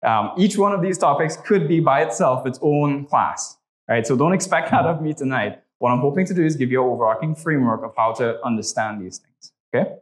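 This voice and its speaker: A man's voice: mid-range voice, lively intonation, brisk. Man with a Trinidadian accent teaching. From Trinidad and Tobago. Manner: conversational, frequent "uh" and "right?" tags. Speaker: church class teacher. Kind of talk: teaching a class with a spoken prayer.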